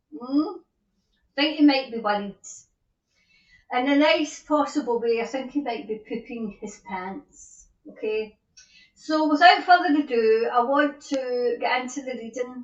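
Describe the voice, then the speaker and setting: A woman speaks with a Scottish accent at a fairly slow pace. Her pitch is high and her intonation lively. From Scotland. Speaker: tarot reader. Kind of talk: casual talk to camera before a tarot reading.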